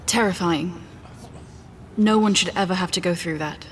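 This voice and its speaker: A woman's voice: on the low side, normal speed, slight background noise, close to an everyday voice. An actress playing a poised, idealistic woman scientist who is gracious in public, in an audio drama. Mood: composed, earnest. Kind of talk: audio fiction acting. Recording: loud music bed behind the voice.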